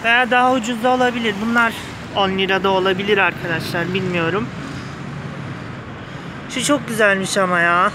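A man's voice: high-pitched, steady tone, brisk, pauses often. A man speaking through a face mask, slightly muffled, giving an enthusiastic, gushing casual vlog commentary to viewers. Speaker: vlogger. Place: outdoors on a street pavement outside a flower shop. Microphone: handheld phone behind the camera. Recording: street noise with passing cars. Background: cars, outdoor urban ambience.

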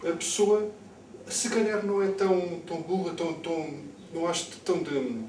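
A man's voice: fairly high pitch, fairly even intonation, moderate pace, a little mellow. A middle-aged man from Lisbon with a Lisbon Portuguese accent, speaking off the cuff at a public political debate, emphatically repeating words as he builds his points. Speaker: candidate speaking on a panel. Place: bookshop-like indoor room with seated audience. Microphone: far camera. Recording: distant camera mic, echoey, noisy room.

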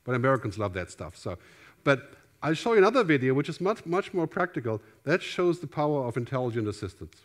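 A man's voice: mid-range voice, sing-song, fast talker. A middle-aged man with a German accent giving a conference keynote on a large theater stage. He speaks through a headset mic in a conversational way and often adds "right?". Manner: conversational, gestures widely, asks "right?" often.

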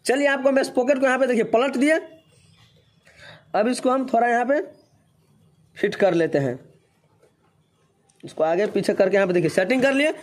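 A man's voice: extremely high pitch, normal speed, long pauses. A man, a bike mechanic walking viewers through a repair step by step and pointing things out as he goes. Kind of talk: how-to repair tutorial. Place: motorcycle workshop.

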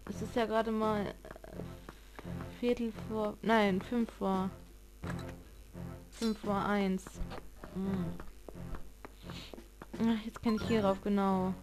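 A woman's voice: medium pitch, level tone, takes it slowly, long pauses, over music, low-quality recording. A woman giving casual, chatty gameplay commentary, swearing at the game as she plays. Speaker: let's player.

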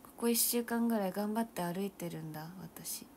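A young woman idol chatting casually on a livestream, answering viewer comments in a soft, often half-whispered, self-mocking way. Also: mid-range voice, a little fast, a little hiss or hum. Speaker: idol streamer.

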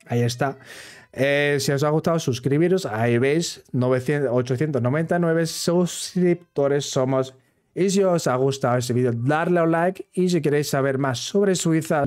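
Mellow-voiced Swiss man vlogging. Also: medium pitch. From Switzerland. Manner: careful, halting Spanish of a non-native speaker. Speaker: gaming video creator. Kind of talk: casual talk to camera.

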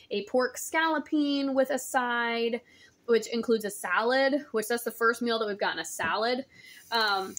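A woman in her thirties chatting casually through a cooking vlog in her home kitchen, filmed on a phone at arm's length, full of ums and likes. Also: fairly high pitch. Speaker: home cook vlogger. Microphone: phone held at arm's length.

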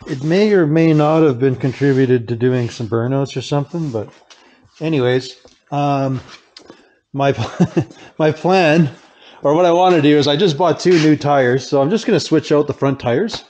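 A middle-aged man hosting a casual behind-the-scenes vlog, rambling in a relaxed way and often trailing off to restart, recorded on a lapel mic. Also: on the high side, measured pace, pauses often, a little hiss or hum. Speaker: car builder and channel host.

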